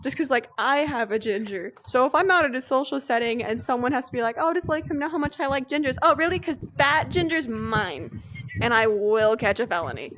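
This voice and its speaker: A young woman co-hosting a casual stream, reading posts aloud and telling stories with lively, profane energy. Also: sits high, brisk, slight background noise. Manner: animated storytelling, swears freely. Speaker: streamer, co-host.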